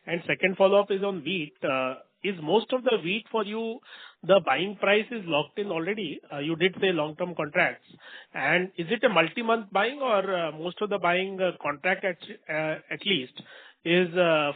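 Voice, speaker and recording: Man, Indian accent, rather high voice, analyst asking business questions, tinny telephone audio. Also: normal speed, no echo. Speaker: financial analyst caller. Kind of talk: earnings-call questioning. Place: conference call by telephone. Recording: tinny phone line.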